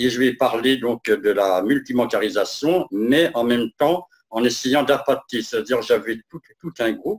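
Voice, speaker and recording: Recorded with a dry, close sound and no echo, a man speaks fairly slowly at a medium pitch with ordinary pitch variation. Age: 60s. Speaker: civil servant, course participant. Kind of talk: interview. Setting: live video interview. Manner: hesitant, many fillers.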